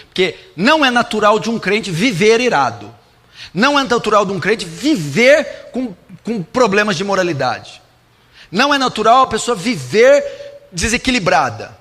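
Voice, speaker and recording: A man's voice: high-pitched, fairly bright tone. A man preaching as a pastor in a radio sermon, voicing the questions of believers and listing problems one after another. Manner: voices the questions of congregants in first person; lists problems in long spoken chains. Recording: long reverb.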